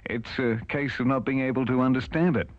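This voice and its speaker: A man's voice: medium pitch, fairly even intonation, fairly quick, no echo, muffled recording. A man doing casual, ad-libbed radio announcing on a 1970s aircheck.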